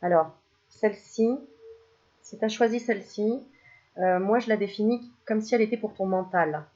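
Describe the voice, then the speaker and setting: Femme enjouée qui tire les cartes. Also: female voice, mid-range voice, moderate pace, a little mellow, muffled recording. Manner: chatty, playful, laughs often, bursts into mock singing. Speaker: spiritual card reader. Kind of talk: casual card-reading video.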